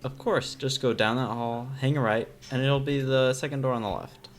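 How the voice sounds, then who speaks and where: A man's voice: mid-range voice, steady tone, moderate pace, natural voice. A man playing an obliging hospital front-desk assistant in a fiction podcast.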